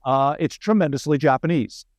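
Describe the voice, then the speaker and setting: A man's voice: on the high side, normal speed, a little mellow, no echo, clean studio sound. A middle-aged man with a Canadian accent talks informally as an interview guest, explaining through anecdotes and wry asides. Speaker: senior military officer, interview guest.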